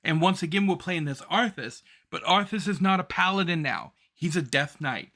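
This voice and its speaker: A man's voice: fairly high pitch, normal speed, pushed and bright. A man casually commentating on game cutscenes and explaining the lore as host. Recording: faint game music behind speech.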